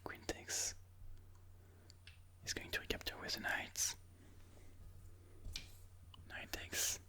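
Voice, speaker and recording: A person whispering ASMR game commentary in a breathy, mostly unvoiced voice, slowly and soothingly thinking aloud. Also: sharp tone. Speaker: ASMR chess video host.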